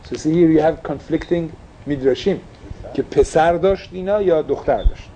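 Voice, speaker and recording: A man's voice: fairly high pitch, dark tone, muffled recording, slight background noise. A man teaching a casual religious class, asking his listeners questions and slipping English phrases into his talk.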